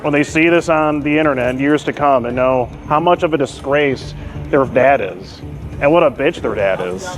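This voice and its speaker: A man calmly and persistently questioning someone he is confronting, often repeating his questions. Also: mid-range voice, normal speed, over music. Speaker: confronting interviewer. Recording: noisy ambient background.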